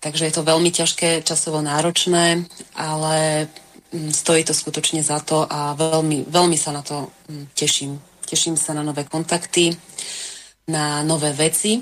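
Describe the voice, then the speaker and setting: Over noticeable background noise, a woman with a very deep, low pitch speaks at a fairly slow pace with monotone, flat intonation. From central Slovakia. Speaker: school founder. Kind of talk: online panel discussion.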